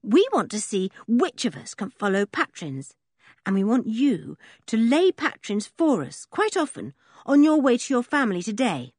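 A woman voicing a bossy, spirited tomboy girl who talks briskly and gives orders. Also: on the high side, very animated, a little mellow, husky, dry recording, clean studio sound, pitched above the performer's own voice. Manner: brisk and commanding.

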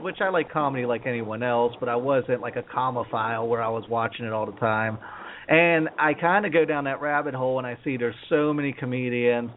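Guy hosting a chat show, rambly and relaxed, phone-quality audio with faint hiss. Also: mid-range voice. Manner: easygoing, rambling. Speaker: podcast host. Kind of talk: casual interview chat. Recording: tinny phone-like line with faint noise.

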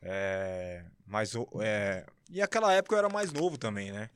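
A man's voice: lowish voice, animated, moderate pace, smooth. A Brazilian man hosting a casual podcast chat, informal and slangy, often repeating his words. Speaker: podcast host, interviewer.

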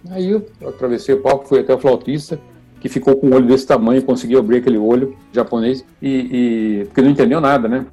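Husky older Brazilian man telling stories. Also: medium pitch, quick pace, faint music behind. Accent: Brazilian Portuguese. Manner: lively, acts out quoted dialogue and laughs often. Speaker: oboist telling stories to an interviewer. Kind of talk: anecdotal storytelling in an interview.

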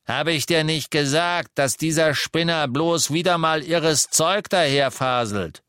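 A man voicing a brutal dark wizard with a rough voice, sneering and bellowing threats. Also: a little high, a little slow, dry recording, studio quality, pitched above the performer's own voice.

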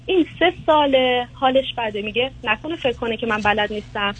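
A woman's voice: on the high side, husky. A woman calling in to a counseling show, telling her story in a rambling, emotional way over the phone. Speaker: caller. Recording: phone line.

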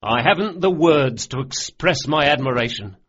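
A showy young gang leader of thieves, as a male narrator puts him on, raising his voice a little above his usual pitch and speaking loud and grand. His speeches swagger with mock ceremony. The audiobook sound is slightly dull and lo-fi. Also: animated, moderate pace, breathy edge. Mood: mock scolding.

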